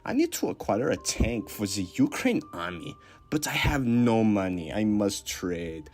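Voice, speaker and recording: A man's voice: on the low side, sing-song, unhurried, a little mellow, soft background music. A man voicing a desperate Austrian man who begs and wheedles in a strained voice with an Austrian accent, in a comic monologue. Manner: begging, salesman-like wheedling. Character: desperate, pleading Austrian man begging for a tank.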